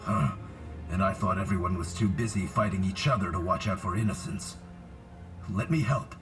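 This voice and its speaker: Game cutscene: male actor as earnest, wry ally, deep voice, clear musical backing. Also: moderate pace, music in the background, close to an everyday voice. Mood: wry, helpful. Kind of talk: video game cutscene acting.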